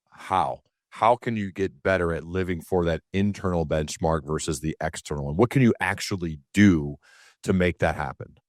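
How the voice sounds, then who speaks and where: A man with a deep, low voice hosts a podcast. He interviews conversationally, thinking aloud as he frames things for his guest. The recording is close and dry. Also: no echo. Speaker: podcast host.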